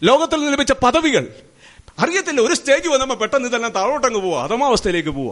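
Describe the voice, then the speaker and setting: An extremely high-pitched male voice with lively intonation and an animated tone. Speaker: preacher. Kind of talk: sermon.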